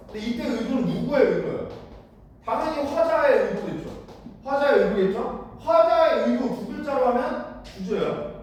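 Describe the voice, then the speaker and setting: A man teaching high school literature in a lecture room, blunt and casual, constantly asking students whether they follow. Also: a little mellow. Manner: keeps checking understanding with rhetorical questions; blunt, casual, with mild slang. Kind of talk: classroom lecture. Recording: very echoey room, far from the mic, faint noise.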